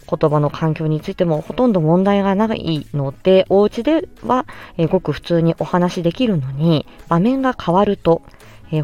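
A woman who works as a speech-language-hearing therapist hosts a podcast, explaining a topic politely and with measured pauses and frequent fillers. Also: fairly low pitch, darkish tone.

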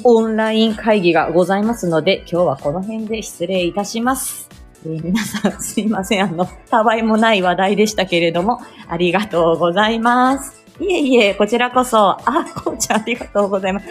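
Woman from aomori chatting on a morning stream, lots of ums and little laughs, soft music under her. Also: medium pitch. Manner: chatty, many fillers, laughs often. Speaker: livestream host and speech therapist. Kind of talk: casual morning livestream chat reading comments.

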